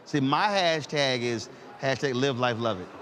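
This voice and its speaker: A man in his fifties hosting an interview, telling stories in an animated way and repeating "I said" as he acts out conversations. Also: mid-range voice, normal speed, slight background noise. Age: 50s. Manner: animated storyteller, repeats "I said" while acting out exchanges. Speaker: host. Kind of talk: casual interview chat.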